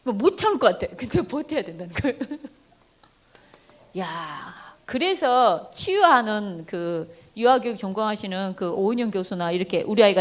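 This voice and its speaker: A woman giving a sermon-style talk on parenting to a church congregation, animated, acting out voices and addressing listeners directly. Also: mid-range voice. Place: church service.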